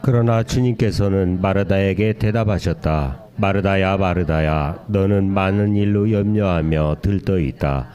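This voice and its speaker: Deep congregation reading scripture in unison. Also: dull audio. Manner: slow, steady group recitation. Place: church sanctuary. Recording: voices from a distance.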